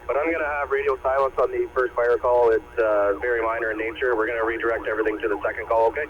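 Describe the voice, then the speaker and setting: A man's voice: mid-range voice, steady tone, fast. A male firefighter giving terse procedural radio traffic over a two-way radio. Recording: muffled radio scanner, very loud noise.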